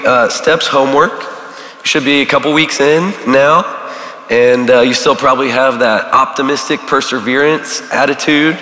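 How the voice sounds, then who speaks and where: A man's voice: mid-range voice, bright, forceful tone. Man teaching, losing his voice. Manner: casual, halting, many fillers. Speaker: church volunteer teaching a recovery group. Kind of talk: church teaching talk. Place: large church hall. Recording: echoey hall with long reverb.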